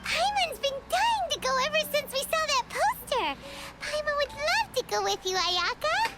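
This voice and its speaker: Tiny floating girl sidekick, very high and bouncy, eager, third-person speech, game music behind. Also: very animated, normal speed. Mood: excited. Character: tiny chirpy floating girl companion, excitable. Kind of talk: video game voice acting. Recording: game audio with background music.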